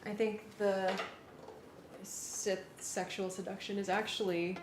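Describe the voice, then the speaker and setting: A woman's voice: medium pitch, flat delivery, slow pace. A woman talking casually as she works through music arrangements with a collaborator. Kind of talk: casual working discussion. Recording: echoey room, clear background noise.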